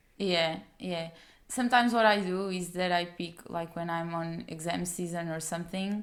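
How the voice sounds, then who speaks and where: The speaker has a Portuguese accent. The intonation stays fairly even. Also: woman, fairly low pitch for a woman, moderate pace. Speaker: podcast host. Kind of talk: casual chat.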